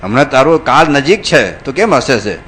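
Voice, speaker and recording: A man voicing a gruff, menacing male lion in a sermon story, scolding and demanding answers. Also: medium pitch, big pitch swings, normal speed, a bit bright.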